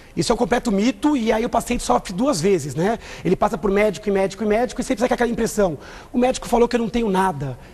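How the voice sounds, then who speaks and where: Noticeable background noise sits behind a man speaking at a high pitch with lively intonation. His delivery is very fast and his loudness stays very even. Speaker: neurologist. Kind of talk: TV interview.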